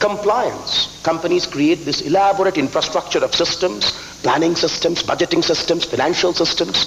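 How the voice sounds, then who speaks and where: A man with an Indian accent talks at a moderate pace and high pitch, with ordinary pitch variation and very even loudness. Noticeable background noise sits behind him. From India, Calcutta (eastern India). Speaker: business school professor. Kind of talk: lecture. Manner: repetitive, stammering starts.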